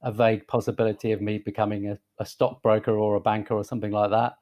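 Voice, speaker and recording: A man in his forties with a softened northern English accent, a guest talking casually in a podcast interview, relaxed and hesitant, with many fillers and restarts. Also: fairly low pitch, quick pace. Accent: Northern English, softened by southern England. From northern England. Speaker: guest, creative director.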